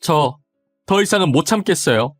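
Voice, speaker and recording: A man's voice: fairly high pitch, animated, moderate pace, dry recording, studio quality, faint music behind. A man voicing a desperate pleading young wife. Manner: pleading, insistent, rambling.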